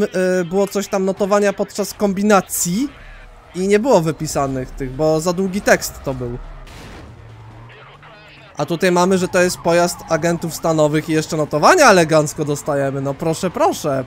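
A man from Poland hosting a let's play, rambling excitably and swearing casually as he plays. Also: high voice, normal speed, a little hiss or hum.

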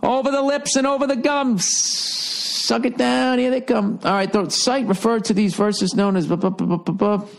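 A man's voice: extremely high pitch, steady tone, moderate pace, vocal fry. A middle-aged man reading a text aloud and breaking off into sarcastic, profane comic asides. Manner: sarcastic, profane running commentary. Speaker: comedian. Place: dim study with leather chair.

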